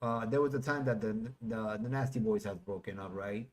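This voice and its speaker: A man in his fifties, from Puerto Rico, hosting a casual interview and telling stories in an animated way, often repeating words as he thinks. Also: lowish voice, fairly quick. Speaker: podcast host.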